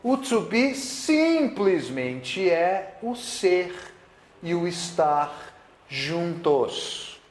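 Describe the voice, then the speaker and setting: A man's voice: high-pitched, sing-song, extremely slow, reverberant. A man with a Brazilian accent teaching English in a classroom, drilling words with repetition and switching between English and Portuguese. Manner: plays imagined student questions. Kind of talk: classroom video lesson.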